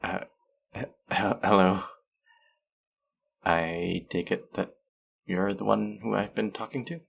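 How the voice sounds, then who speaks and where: A man's voice: deep voice, steady tone, slow pace, vocal fry, fairly bright tone, husky, full character voice. A man playing a friendly, teasing, slightly bashful young traveler in a casual, intimate one-sided audio roleplay. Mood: warm, polite.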